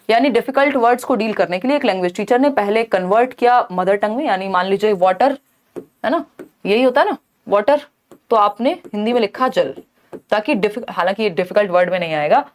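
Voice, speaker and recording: Brisk woman teacher, higher voice. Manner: reads questions slowly, then explains quickly with rhetorical questions. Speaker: exam-prep teacher. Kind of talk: explaining exam questions in a lesson.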